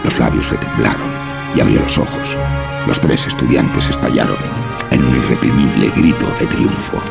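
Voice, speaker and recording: Very deep, gravelly male horror narrator. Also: moderate pace. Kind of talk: scripted horror story narration. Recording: music behind the voice.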